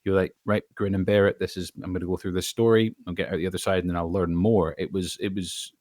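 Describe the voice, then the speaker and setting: Deep-voiced man in interview. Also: fairly even intonation, fast talker, darkish tone, no echo, clean studio sound. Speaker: voice actor, podcast guest. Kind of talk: casual interview discussion.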